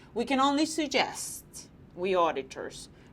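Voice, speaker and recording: The voice carries a non-native accent and very wide pitch swings. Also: woman. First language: not English. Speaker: accountant and auditor. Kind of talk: interview testimony.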